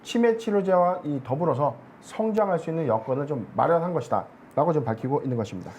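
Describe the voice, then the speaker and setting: A man speaking as an analyst guest on a stock market show, explaining in a measured way with many filler words. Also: on the high side, animated, a little mellow, a little hiss or hum.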